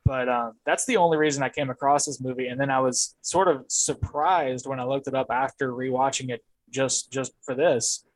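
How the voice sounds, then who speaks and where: Man, podcast co-host, relaxed rambling chat, frequent "like" and "um", chuckles. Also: medium pitch, normal speed, few pauses, dry recording, rough recording. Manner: rambling, chuckling, many fillers. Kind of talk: casual chat.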